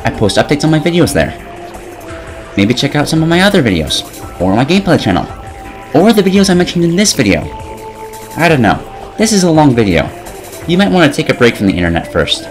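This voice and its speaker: A young man of twenty delivers a scripted game review. His voice is animated and moves widely in pitch, with a sarcastic, opinionated edge. Light music plays behind him. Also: fairly quick, long pauses. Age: 20 years old. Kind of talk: scripted video review narration.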